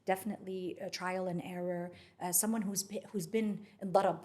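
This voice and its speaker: A woman's voice: fairly low pitch, steady tone, brisk, dark tone. Middle-aged woman with an American accent. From Saudi Arabia. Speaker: podcast guest, voiceover artist. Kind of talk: casual interview chat.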